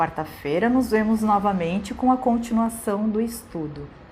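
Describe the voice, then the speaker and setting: The voice has a calm tone and moves at a very slow pace. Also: woman. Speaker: spiritist study teacher. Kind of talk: live-stream study class. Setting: live stream. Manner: calm, meditative.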